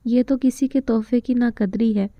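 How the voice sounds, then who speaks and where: A woman's voice: a little high, steady tone, moderate pace, no echo, natural voice. A woman reading the lines of a sulky, eager young man in a storybook, with a slightly dull recording.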